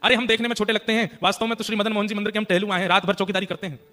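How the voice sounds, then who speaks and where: A playful divine boy posing as a temple watchman, voiced by a storyteller, calm and gently teasing. He talks quickly and plainly, in a fairly high voice, within a told temple legend. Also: in a large hall.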